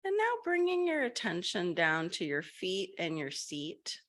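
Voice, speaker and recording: A woman leading a group meditation over a video call, talking gently with many fillers and restarts. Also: on the low side, huge pitch swings, measured pace. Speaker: meditation guide.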